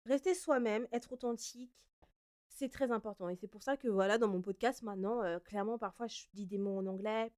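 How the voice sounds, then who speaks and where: A young woman from France hosting her own podcast, answering listener questions in a relaxed, chatty way with frequent fillers and self-corrections. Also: mid-range voice, fairly quick. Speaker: podcast host. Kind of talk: casual solo Q&A podcast.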